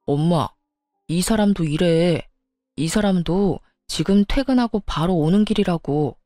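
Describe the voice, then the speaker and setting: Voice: mid-range voice, measured pace, mellow, dry recording, studio quality, soft background music, close to an everyday voice. A voice actor playing a young married man who stands up for his wife against his mother, in a dramatized story reading. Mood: protesting. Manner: firm, exasperated.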